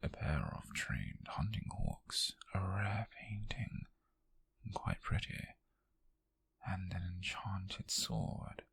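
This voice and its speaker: A British man playing a possessive, calculating nobleman in an intimate ASMR roleplay, speaking in a soft, menacing, condescending murmur close to the mic. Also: expressive, takes it slowly, full character voice. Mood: bored, disdainful. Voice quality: breathy, husky, gravelly low murmur. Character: possessive, calculating noble man who buys captives at auction. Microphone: close mic, dry.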